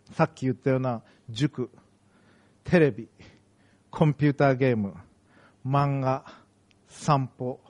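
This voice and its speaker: A man's voice: mid-range voice, a little mellow. A middle-aged man from Okayama preaching a sermon, earnest and emphatic, telling personal stories. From Okayama, Japan. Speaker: pastor.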